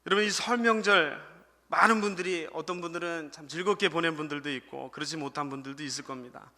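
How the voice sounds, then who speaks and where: A man's voice: a little high, fast, pushed and bright. A man preaching a Sunday sermon as associate pastor, often calling out to the congregation and telling a humorous story. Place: church sanctuary. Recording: church hall reverb.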